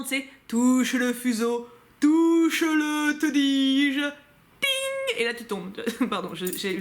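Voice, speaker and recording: A woman's voice: fairly high pitch, a bit bright. Giggly, chatty young French woman. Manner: chatty and giggly, quick asides and restarts. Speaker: YouTuber unboxing a subscription box. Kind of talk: casual unboxing chat to viewers.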